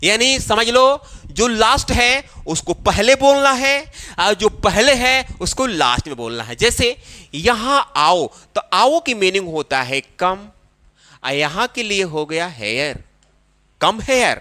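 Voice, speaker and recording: A man with a Hindi-influenced English accent explains English phrases in a slow classroom manner. His voice is high and bright. He drills each phrase by saying it again, drawn out. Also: sing-song. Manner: repeats phrases slowly, drawing out English words. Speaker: spoken English teacher.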